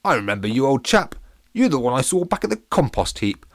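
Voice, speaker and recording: A man's voice: medium pitch, sing-song, brisk, no room sound, clean studio sound, voice pushed up. A man voicing a cheerful, posh male pancake captain in a storybook reading, with a plummy upper-class manner. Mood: indignant.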